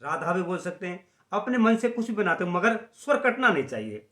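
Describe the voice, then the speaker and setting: A man teaching a singing lesson at the harmonium, slowly explaining notes and singing short chant phrases. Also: high voice, big pitch swings, a bit bright, reverberant. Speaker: music teacher.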